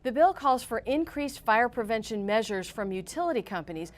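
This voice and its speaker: A woman's voice: a little high, animated, fairly quick. A woman with an American accent reading scripted news in a formal, emphatic newsreader delivery. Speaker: news reporter and anchor.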